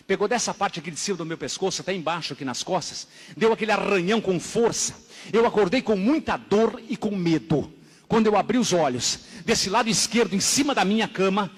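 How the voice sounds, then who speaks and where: A man giving a dramatic religious testimony at a church service, telling his story emphatically and moving between loud exclamations and hushed narration. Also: sits high, husky. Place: church hall. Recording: echoey hall reverb.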